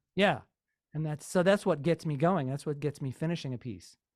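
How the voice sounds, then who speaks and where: With an American accent and lively intonation, a man speaks at a fairly quick pace in a very clean recording with a silent background and a dry, close sound with no echo. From US South, Atlanta, Georgia. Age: 50s. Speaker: jazz musician and composer. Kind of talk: casual conversation.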